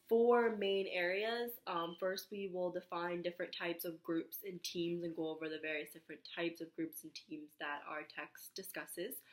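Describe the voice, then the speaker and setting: A young female student, stuffed up and under the weather, records a class slide presentation in a somewhat low, slightly raspy voice. She goes through each slide reading the points aloud, with ums and small restarts filling the gaps.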